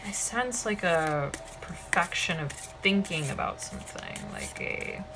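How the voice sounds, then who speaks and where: A woman with a slightly hoarse voice gives a tarot reading to her viewers, meandering and checking in with "okay?" and "right?". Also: low-pitched, huge pitch swings, a little slow, very noisy. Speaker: tarot reader.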